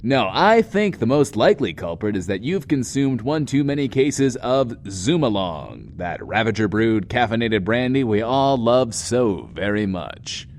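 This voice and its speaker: A man's voice: medium pitch, sing-song, a little slow, few pauses, darkish tone, a little hiss or hum. An actor playing a flamboyant, wisecracking male radio host in an audio drama, with showy patter and dramatic emphasis. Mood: wry, hammy. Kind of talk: in-world radio show advice segment.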